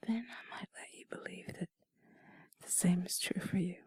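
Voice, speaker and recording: A woman doing an intimate whispered role-play in a soft, breathy, sultry and soothing voice, speaking slowly and deliberately, close to the mic. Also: lowish voice. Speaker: intimate audio narrator. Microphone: close mic, dry.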